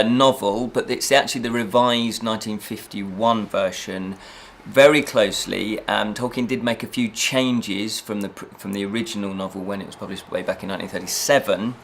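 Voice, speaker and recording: A man hosting a fantasy review show, talking in an animated, chatty way with frequent self-corrections and rhetorical asides. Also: lowish voice, normal speed, a little hiss or hum. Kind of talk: chatty unscripted review to listeners.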